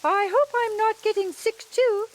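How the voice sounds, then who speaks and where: A woman voicing a fussy, excitable storybook monarch in a puppet show, bossy and full of exclamations. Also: very high voice, measured pace, rough recording. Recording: puppet show with music behind.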